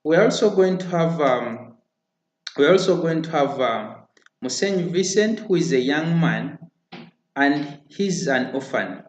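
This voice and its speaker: A man, giving an earnest prepared pitch as founder of a community charity, often hesitating with fillers. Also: expressive, a little slow. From Uganda. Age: 30s. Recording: roomy echo.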